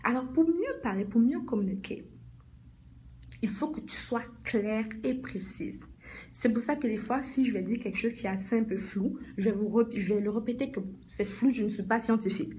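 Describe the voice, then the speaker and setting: A woman's voice: a little high, normal speed, mellow. A middle-aged woman, a life coach giving a motivational live talk, speaking straight to her viewers and repeating her points.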